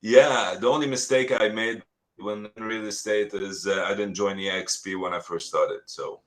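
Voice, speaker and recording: Deep-voiced man from Lebanon. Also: fairly even intonation. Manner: earnest, halting, with many restarts and fillers. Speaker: real estate agent, guest. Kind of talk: casual interview talk.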